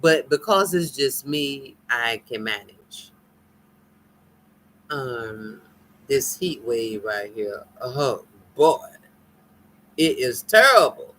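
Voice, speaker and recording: A woman's voice: extremely low pitch, drawn-out words, long pauses, a little hiss or hum. A woman from the United States with an African American accent, chatting casually and teasingly with viewers on a live stream, laughing often. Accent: African American English. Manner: animated, laughing, teasing, folksy. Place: home in Nigeria.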